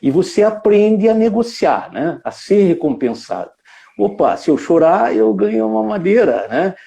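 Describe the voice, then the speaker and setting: Man, lively pitch, warm mellow tone, reflective lecture, lots of tag questions. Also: moderate pace, gravelly. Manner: musing, many tag questions and restarts, uneven pace. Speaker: speaker giving a live talk.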